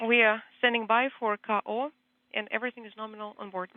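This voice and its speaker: A man's voice: sits high, little pitch movement, quick pace, no echo. A man making terse, clipped procedural calls over a breaking up space radio link. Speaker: crew and mission control on the radio loop. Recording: tinny narrow-band radio link.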